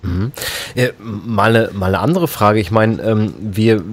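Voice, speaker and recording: A man's voice: fairly low pitch, a little slow, slight background noise. A man interviewing a guest, asking long questions broken up by frequent fillers.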